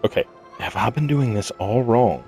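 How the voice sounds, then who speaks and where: A sleep-deprived man thinking aloud as he plays a puzzle game, muttering haltingly to himself in casual commentary. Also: on the low side, expressive, vocal fry, darkish tone. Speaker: gaming video host. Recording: music behind the voice. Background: game music.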